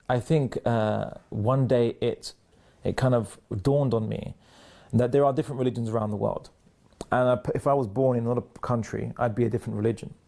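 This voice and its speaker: Gravelly, low-voiced man with halting speech. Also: dark tone. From London, England. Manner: halting, many restarts and fillers, thoughtful. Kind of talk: personal testimony, reflective storytelling.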